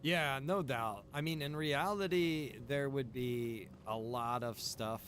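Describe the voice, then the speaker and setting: While playing a video game on stream, a man chats casually and rambles as he thinks out loud. His mid-range voice is slow and a bit bright, and background noise is clearly audible.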